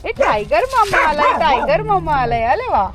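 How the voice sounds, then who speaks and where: A woman vlogging about her dog in casual chat, often shooing and calling out loudly. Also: sits high, very animated, normal speed. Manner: scolding and shooing the dog, loud calls. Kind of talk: casual pet vlog.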